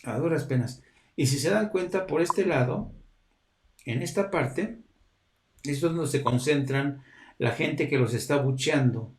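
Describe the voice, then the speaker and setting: A man's voice: a little high, measured pace, long pauses, darkish tone, reverberant. A man hosting a live show, talking casually and rambling with many fillers. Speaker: host.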